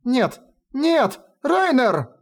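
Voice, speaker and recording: A high, frantic young lieutenant girl, played by a man shrieks and begs in a voice that leaps all over. She is emotional and commanding by turns. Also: huge pitch swings, normal speed, slightly rough, exaggerated voice. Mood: distraught.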